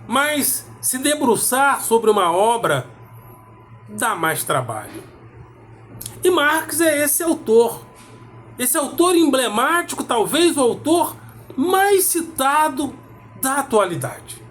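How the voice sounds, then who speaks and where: A man lecturing on philosophy, measured and emphatic, repeating key words for weight. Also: very high-pitched, fairly bright tone, slight background noise. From South America. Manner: measured, emphatic repetition with pauses. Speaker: philosophy teacher. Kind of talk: explanatory lecture.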